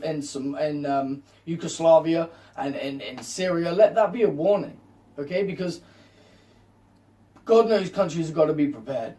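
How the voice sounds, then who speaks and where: A man with a fairly high but mellow voice makes an impassioned, insistent monologue to viewers. He repeats himself for emphasis and sits a little away from the mic. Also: recorded from a distance. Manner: insistent, repetitive. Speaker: video host.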